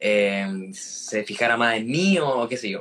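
The man's voice has a bright, sharp tone. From Chile, raised from age seven, born in Puerto Rico. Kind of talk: interview. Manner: hesitant, repeats words.

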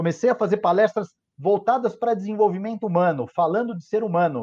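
Against a quiet background, a man speaks in a dark, mellow tone at a high pitch. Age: 50s. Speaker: speaker and MBA lecturer. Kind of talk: interview. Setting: at home.

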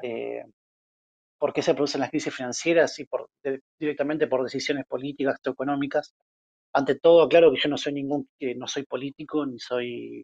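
In an Argentine accent, a man speaks at a fairly high pitch with a flat, monotone delivery. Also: dry, close sound with no echo. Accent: Rioplatense Argentine Spanish. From Argentina, western Greater Buenos Aires. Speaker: audiovisual and radio producer. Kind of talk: casual interview chat.

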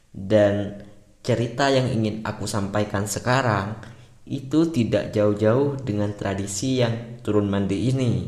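Audible room echo surrounds a man's fairly low voice. He speaks at a fairly slow pace with ordinary pitch variation. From Java, Indonesia (Madurese-influenced). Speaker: podcast host, storyteller. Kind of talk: casual storytelling monologue. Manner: casual, conversational.

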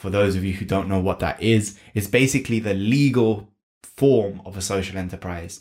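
Speaking with a British accent, a man talks at a moderate pace in a fairly low pitch. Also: ordinary pitch variation. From UK. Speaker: podcast host. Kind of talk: solo monologue podcast. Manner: conversational, informal.

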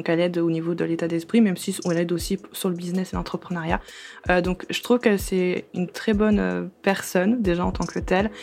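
Fairly quick speech from a woman with a fairly low pitch. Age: 20s. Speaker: astrologer and small business owner. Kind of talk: interview. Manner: hesitant, many fillers.

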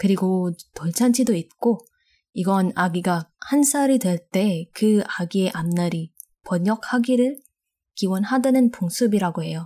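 A woman speaks at a fairly slow pace in a dark, mellow, somewhat breathy tone with ordinary pitch variation, recorded with a dry, close sound and no echo. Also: medium pitch for a woman. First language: not Korean (Korean learner) (speaking Korean). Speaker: podcast co-host. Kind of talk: casual chat.

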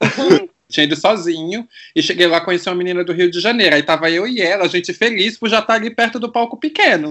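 A man's high voice at a very fast pace. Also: ordinary pitch variation. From Brazil, Vitória, Espírito Santo. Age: 30s. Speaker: podcast listener guest. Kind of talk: casual chat. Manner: animated.

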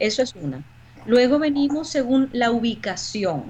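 Somewhat breathy female voice with normal pitch movement. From Venezuela. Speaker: real estate broker. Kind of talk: interview.

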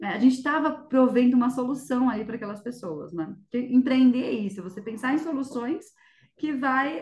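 A woman's high voice, fairly quick and lively in intonation. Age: 30s. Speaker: civil engineer and franchise owner. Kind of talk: casual interview.

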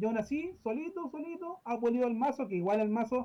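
At a very fast pace, a man talks in an extremely high pitch. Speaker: card game player. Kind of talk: casual chat.

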